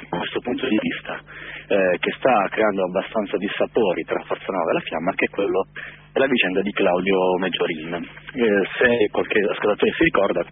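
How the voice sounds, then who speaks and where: Deep-voiced man on a tinny phone line. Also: slightly rough. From north-east Italy. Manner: halting, many filler pauses. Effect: heard over a phone line. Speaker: phone-in correspondent. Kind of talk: political radio commentary.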